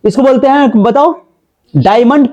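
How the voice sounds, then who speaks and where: A man's voice: extremely high pitch, a little slow, warm tone, highs cut off. A man teaching a maths class, repeating himself and quizzing his students as he explains. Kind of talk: classroom lesson.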